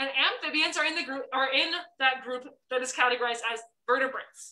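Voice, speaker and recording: A woman talks at a fairly quick pace in a raised, projected voice with a bright, sharp tone, over a quiet background. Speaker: zoo educator. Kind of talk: lecture. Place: classroom. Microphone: video call.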